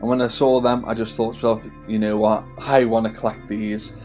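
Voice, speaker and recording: A man's voice: fairly low pitch, little pitch movement, a little fast, darkish tone, faint music behind. Chatty man with a Scouse-tinged Wirral accent. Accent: Wirral, with a Scouse twang. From the Wirral, England. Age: 30s. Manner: chatty and friendly, with many fillers and restarts. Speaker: hobby miniature painting channel host. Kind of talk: casual to-camera chat.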